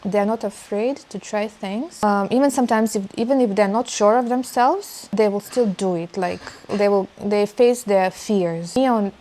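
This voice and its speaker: Soft-toned, thoughtful woman chatting. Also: mid-range voice, normal speed, hardly any pauses. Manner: hesitant, thoughtful, self-effacing. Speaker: interview guest. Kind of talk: casual reflective chat.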